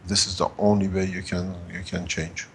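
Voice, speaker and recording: Deep gravelly man lecturing haltingly. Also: flat delivery, a bit bright, slight background noise. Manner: halting, gropes for words and restarts. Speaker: presenter at a workshop. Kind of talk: lecture to a live audience.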